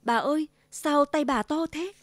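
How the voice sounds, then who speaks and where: A kind little girl in a red hood voiced by a woman, speaking high and politely in a storybook reading. The sound is dry and close. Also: a little slow, no echo. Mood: innocent.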